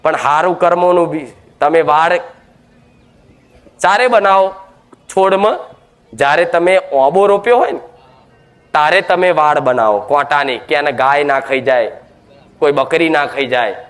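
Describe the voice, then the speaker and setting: High-voiced preacher scolding. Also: male voice, measured pace, long pauses, fairly bright tone, clean tone. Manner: emphatic, scolding, full of rhetorical questions. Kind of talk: sermon.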